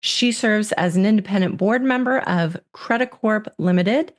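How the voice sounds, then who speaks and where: A woman's voice: mid-range voice, moderate pace. A woman hosting a business podcast, delivering an upbeat scripted intro and guest bio, then interviewing. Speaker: podcast host.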